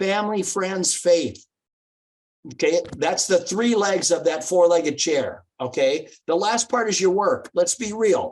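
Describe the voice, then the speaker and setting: Speaking in an American accent, a man has an animated tone, a high pitch, ordinary pitch variation and a fairly slow pace. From US Midwest, Minnesota. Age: 60s. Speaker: business executive and entrepreneur. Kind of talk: panel discussion.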